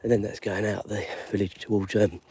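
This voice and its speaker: A man's voice: on the low side, level tone, brisk, mellow, a little hiss or hum. Chatty man strolling outdoors. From London. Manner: rambling, chatty, lots of fillers. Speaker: vlogger walking his dog. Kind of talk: live-stream walking chat. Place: outdoors on a residential street in drizzle.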